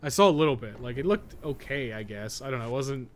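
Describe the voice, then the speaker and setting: A man with a mid-pitched voice streams a video game with some noise in the background. He rambles casually, thinking aloud as he plays and chats. His manner is blunt, with plenty of swearing. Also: lively intonation, fast talker. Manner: blunt, heavily profane. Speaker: gaming live streamer.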